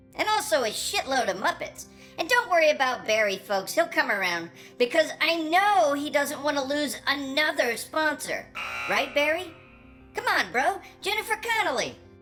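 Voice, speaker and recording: Clear music plays in the background as a man does a put-on character voice at an extremely high pitch. He keeps a moderate pace. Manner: brash, pushy.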